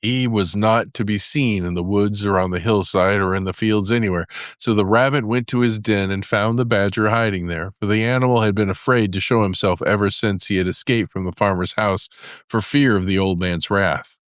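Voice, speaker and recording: A man narrating a fairy tale as a storybook, in a measured storytelling manner. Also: lowish voice, fairly even intonation, no echo, studio quality. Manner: measured storytelling with character voices for dialogue.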